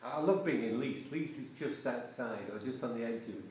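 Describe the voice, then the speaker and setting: A man's voice: mid-range voice, a little fast, a little mellow, slight background noise. An older man with a Liverpool accent mixed with South Manchester, chatting casually and rambling with plenty of ums. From England, born in Liverpool, grew up in Cheshire. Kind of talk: casual chat. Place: large old house, indoors. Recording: very echoey room, far from mic.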